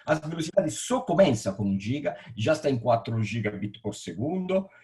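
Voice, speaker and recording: A man's voice: mid-range voice, very animated, moderate pace, darkish tone. A man with an Italian accent, a telecom engineering director answering interview questions over a video call, often repeating words and restarting as he explains. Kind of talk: interview answers on a live stream.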